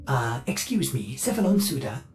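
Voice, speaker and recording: A man's voice: mid-range voice, big pitch swings, moderate pace, a little mellow, faint music behind, natural voice. A man playing a polite, anxious artificial intelligence ship assistant in a video game, deferential and easily flustered. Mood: polite, alarmed. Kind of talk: scripted video game character dialogue.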